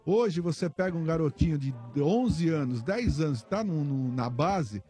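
A man with a husky voice hosting a casual radio chat. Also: fairly high pitch, animated, measured pace, mellow, soft background music. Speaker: host.

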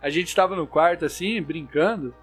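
A man's voice: on the high side, moderate pace, slightly rough. A young Brazilian man with a slightly raised voice tells eerie stories in a loose chat. He stumbles and restarts often, filling gaps with fillers. Faint music plays underneath. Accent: Brazilian Portuguese. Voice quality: hesitant, many restarts and fillers. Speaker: storyteller. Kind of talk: casual chat, telling spooky stories.

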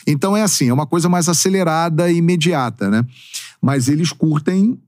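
A man in his forties, a sports narrator, chatting as a podcast guest in an expressive, talkative storytelling way with casual slang. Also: fairly high pitch, a little fast, no echo, studio quality. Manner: expressive storyteller with emphatic, swooping delivery. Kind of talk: casual interview chat.

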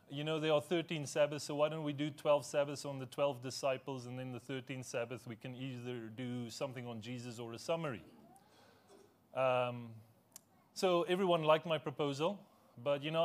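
A man with a slightly high voice, a native Afrikaans speaker, preaches to his congregation. He talks in a loose, conversational way, joking at his own expense and asking the people in the pews questions. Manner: conversational, self-deprecating humor, asks congregation questions. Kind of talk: sermon. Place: church.

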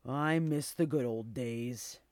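A woman voicing a weary, toothless old male dog in a children's storybook, slow, sighing and grumbling. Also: extremely low pitch, darkish tone, no room sound, clean studio sound, pitched below the performer's own voice. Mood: weary, sad.

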